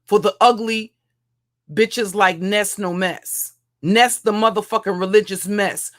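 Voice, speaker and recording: A woman with a heavy, deep voice, ranting as a livestream commentator in a mocking, profane way, often repeating and restarting her phrases. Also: steady tone, measured pace. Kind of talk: profane roast rant.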